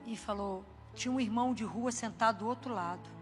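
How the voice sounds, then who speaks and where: A woman's voice: a little high, a little fast. An older woman giving a spoken devotional message, telling stories in a conversational way and acting out the voices she quotes. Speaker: Christian inspirational speaker. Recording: long hall reverb with soft background music.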